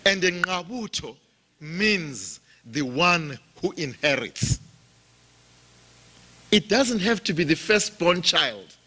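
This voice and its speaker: A man from Zimbabwe preaching a sermon in a slow, emphatic style, his voice rising and dropping for effect. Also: sits high, big pitch swings, bright, forceful tone.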